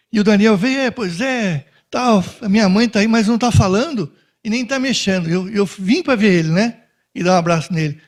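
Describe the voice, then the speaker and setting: A man preaching a testimony, animatedly telling a story and acting out the dialogue. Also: high-pitched. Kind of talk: sermon testimony.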